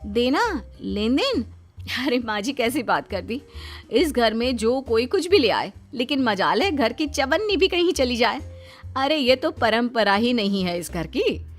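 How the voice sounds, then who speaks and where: A woman voicing a frank young daughter-in-law in a cartoon who protests in an animated way. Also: fairly high pitch, unhurried, faint music behind. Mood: protesting.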